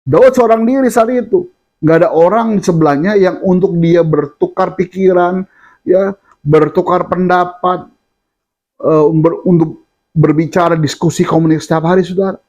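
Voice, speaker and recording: A man delivers a sermon in a slightly high voice, often turning to address his listeners between hesitations. The recording is dull and lo-fi. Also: normal speed, a little mellow. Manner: addresses listeners as "saudara" often, with fillers and restarts. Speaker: preacher.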